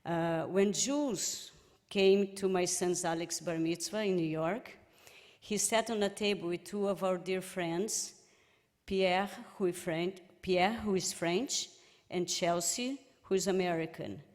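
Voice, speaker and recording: A woman with a Brazilian accent speaks slowly, sharing anecdotes at a memorial event and laughing softly between them. Her voice sits a little low. The sound carries a long hall reverb. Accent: Brazilian Portuguese. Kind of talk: personal remembrance speech. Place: lecture hall.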